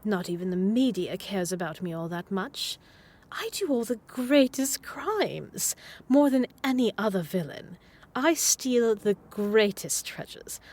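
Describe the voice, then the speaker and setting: A woman's voice: medium pitch, lively intonation, a little slow, a little mellow. A woman playing a playful, obsessive, needy supervillain who is smitten with the hero, in a scripted roleplay spoken to the listener with coy, dramatic emphasis. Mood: aggrieved.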